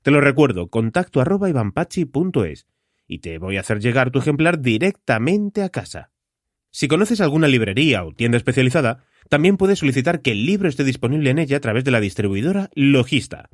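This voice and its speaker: A man's voice: mid-range voice, sing-song, brisk, no room sound, clean studio sound. A man from Spain with a Spanish accent hosts a podcast solo, talking conversationally straight to the listener and posing rhetorical questions. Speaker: podcast host.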